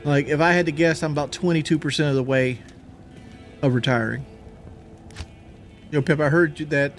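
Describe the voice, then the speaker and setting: A man's voice: on the high side, fairly even intonation, moderate pace, faint music behind. A man chatting casually on a live stream, out of breath after a workout, rambling and repeating himself as he talks.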